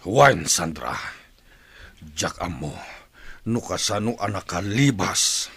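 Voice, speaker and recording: A man with an Ilocano Filipino accent playing a commanding, hot-tempered tribal chief and stern father in a radio drama, with a rough, gravelly voice. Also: low voice, very animated, takes it slowly, fairly bright tone, dry recording, exaggerated voice. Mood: grim. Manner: authoritative, barking orders.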